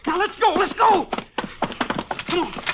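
Shrill, panicky robber accomplice. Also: female voice, a little slow, muffled recording. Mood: panicked. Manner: frantic, stammering, urgent. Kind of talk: 1950s radio crime drama acting. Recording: noisy old radio broadcast recording.

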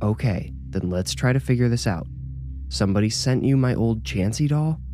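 A man's voice: medium pitch, lively intonation, normal speed, dark tone, soft background music, pitched above the performer's own voice, natural voice. A man voicing a busy, rational grown son in audiobook dialogue, firm and exasperated. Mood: patient, reasoning. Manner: firm, dismissive, questioning.

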